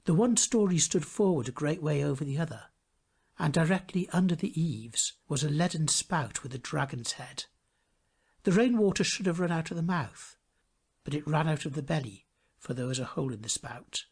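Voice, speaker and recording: A man narrating a fairy tale as a storyteller, reading a script in an expressive, measured way. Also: a little high, creaky, slightly rough.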